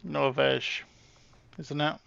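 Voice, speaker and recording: A man's voice: fairly high pitch, little pitch movement, slow, vocal fry, fairly bright tone, dry recording, dull audio. A man casually chatting with his live-stream audience while setting up soldiers in a game, often trailing off and restarting.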